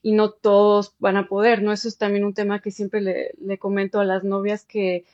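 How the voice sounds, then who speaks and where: Over a remote call, a former bride from Germany chats enthusiastically as an interview guest about her own experience. She speaks at a moderate pace in a mid-range, darkish voice with a completely flat delivery. There is no room sound, and the audio is slightly dull.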